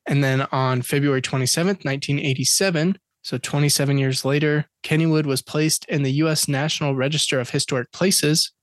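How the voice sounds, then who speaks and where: Higher-pitched guy chatting on a podcast, jokey, reading off dates, dry close mic. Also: steady tone, fairly quick, hardly any pauses, no room sound. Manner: chatty, joking, reads facts and dates aloud. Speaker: podcast co-host. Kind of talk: casual chat.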